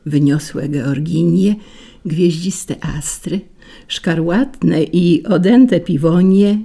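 Brief: woman storyteller, low, dark voice, husky, lilting delivery. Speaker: narrator. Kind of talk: storybook reading.

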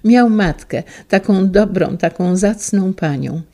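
A woman voicing a gentle, wistful elderly male schoolteacher, speaking softly and haltingly. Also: medium pitch. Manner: soft, halting and tender.

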